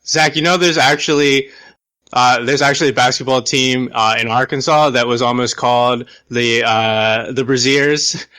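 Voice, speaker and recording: Bright-voiced man, halting game player. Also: medium pitch, fairly even intonation. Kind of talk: casual improvised roleplay chat.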